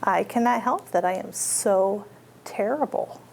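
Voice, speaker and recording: A woman with a medium-pitched, unhurried voice, some vocal fry, and a slightly mellow quality, with faint hiss or hum in the audio. She's a librarian running a children's storytime, reading picture books aloud in simple language for young kids and asking them questions.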